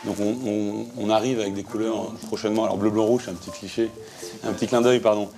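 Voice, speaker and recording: A man's voice: lowish voice, flat delivery, fast talker. A man speaking for his company in an interview, stumbling and repeating words. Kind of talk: casual interview answer. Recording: loud music over interview. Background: music.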